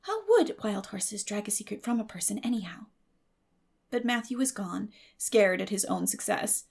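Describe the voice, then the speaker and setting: A woman narrates a storybook in a medium-pitched voice with noticeable creak. Her delivery is measured and expressive, in a dramatic audiobook style.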